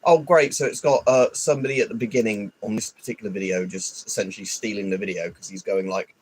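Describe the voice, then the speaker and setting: A man's voice: on the low side, steady tone, quick pace, husky, rough recording. A man rambling and grumbling through a casual live stream, stuffy with hay fever and swearing often. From United Kingdom. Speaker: livestreamer.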